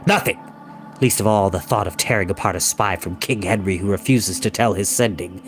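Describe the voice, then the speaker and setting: A man doing a deep, menacing rebel prince. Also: brisk, soft background music, close to an everyday voice. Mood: grim defiant. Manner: cold, grim, threatening. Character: stern proud male Welsh rebel prince.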